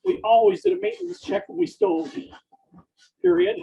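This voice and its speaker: A person dictating story prose aloud in short, halting phrases and speaking each punctuation mark, with a husky, gravelly voice. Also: very high voice, fairly even intonation, mellow, highs cut off.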